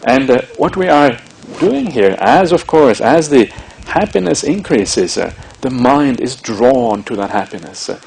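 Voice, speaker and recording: A man with a Norwegian accent giving a measured, explanatory Buddhist dharma talk, with frequent hesitations. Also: medium pitch, big pitch swings, gravelly, a little mellow, a little hiss or hum, rough recording. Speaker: Buddhist monk teacher.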